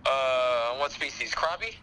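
A man heard through a speakerphone, talking casually as a guest fishing expert with dry, deadpan humor. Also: mid-range voice, a little slow, crowd noise, rough recording. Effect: speakerphone call. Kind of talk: casual phone conversation.

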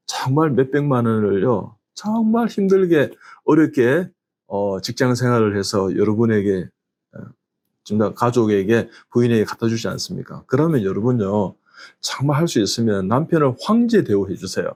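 A man's voice: medium pitch, darkish tone. A middle-aged man, a doctor, giving a health lecture and earnestly urging his listeners directly. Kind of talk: lecture to an audience.

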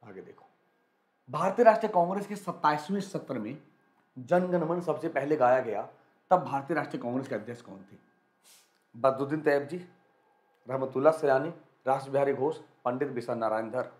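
Energetic male exam-prep teacher, echoey room. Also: medium pitch. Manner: energetic, repetitive, coaxing students to answer quickly. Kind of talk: live quiz lesson for students.

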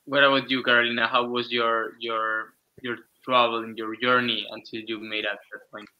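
A man's voice: mid-range voice, level tone, normal speed, lo-fi sound. A man hosting an online panel, asking questions steadily with some fillers. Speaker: host.

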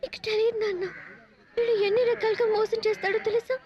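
A woman's voice: very high voice, little pitch movement, fast, dull audio. An actress playing a headstrong young woman who bossily accuses a man of being a fraud. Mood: accusing. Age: young adult. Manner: defiant, accusing, bossy. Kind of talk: Telugu film comedy acting.

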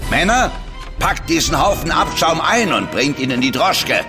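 A man's voice: a little high, very animated, moderate pace, big-room sound, over music. An actor playing a brutal, sneering constable in a radio play, mocking and threatening his prisoner. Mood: gloating. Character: brutal sneering male constable, sadistic jailer.

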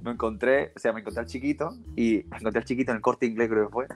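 A man co-hosting a podcast, telling anecdotes in a lively, repetitive way. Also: mid-range voice, racing, soft background music. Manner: animated storyteller, repeats himself. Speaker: podcast co-host. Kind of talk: casual podcast chat.

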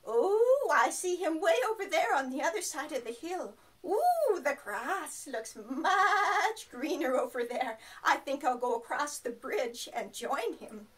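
A woman's voice: high voice, very animated, unhurried, hardly any pauses, a bit bright, distant mic, heavily acted. A woman voicing a mild, hesitant middle brother billy goat in a puppet show, in a simple agreeable manner. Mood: musing.

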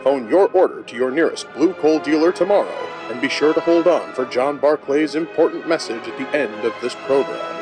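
A man playing a grand 1930s radio announcer and sponsor pitchman, with a booming baritone and declamatory delivery. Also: fairly quick, few pauses, music in the background, natural voice. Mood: grand, persuasive. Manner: declamatory, salesmanlike.

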